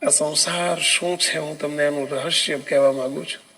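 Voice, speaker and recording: A man voicing a calm, all-knowing old holy man in measured, softened tones during a religious story. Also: on the high side, slight background noise, voice pushed down, low-quality recording. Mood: preaching.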